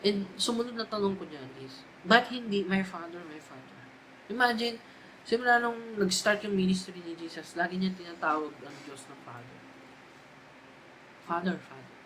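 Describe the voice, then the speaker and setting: A young man with a Filipino accent delivers a youth sermon, sliding between Tagalog and English. His voice sits high and he leans into emphatic, repeated phrases. A faint hum of room ambience stays underneath. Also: moderate pace, fairly bright tone, rough recording. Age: young adult. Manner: Taglish preaching, rising to emphatic repeated cries. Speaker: youth speaker.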